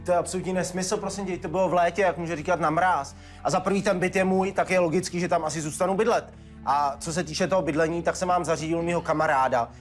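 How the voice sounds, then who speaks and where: A man's voice: high-pitched, fairly even intonation, soft background music, lightly acted. An actor playing a divorced father who protests in exasperation. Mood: exasperated. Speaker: petitioner father. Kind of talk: courtroom TV show acting.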